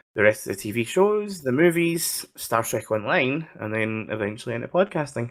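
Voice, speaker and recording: On a very clean recording with a silent background, a man with a Scottish accent speaks at a moderate pace with lively intonation. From Scotland. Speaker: podcast co-host. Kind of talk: casual chat. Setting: studio.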